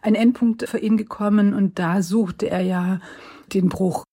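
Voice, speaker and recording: Woman expert interviewee, husky warm tone, hesitant thoughtful answers. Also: medium pitch, fairly even intonation, measured pace. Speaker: museum director. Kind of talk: interview excerpt.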